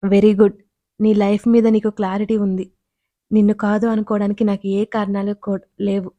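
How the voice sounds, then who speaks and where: A middle-aged father speaks in a measured, approving way, read by a woman storyteller. The tone is mellow and even, recorded dry and close. It is a character in an audio story. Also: medium pitch, no room sound, muffled recording, natural voice.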